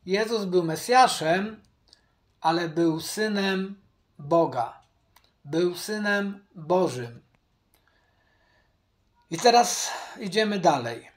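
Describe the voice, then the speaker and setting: Slow, deliberate male Bible teacher. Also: high-pitched, animated. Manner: deliberate, repeats key points, addresses viewers directly. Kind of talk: Bible study commentary.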